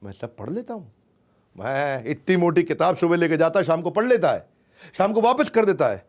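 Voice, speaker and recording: A calm, quick-witted young monk with a steady, slightly high voice, answering plainly and without fuss, as a storyteller puts him on. There is little change from the teller's own voice. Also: male voice. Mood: assured.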